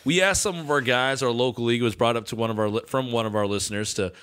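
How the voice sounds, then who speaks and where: A man's voice: mid-range voice, fast talker, fairly bright tone, clean tone. A man co-hosting a casual sports podcast, chatting and bantering in an easy conversational way. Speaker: podcast co-host.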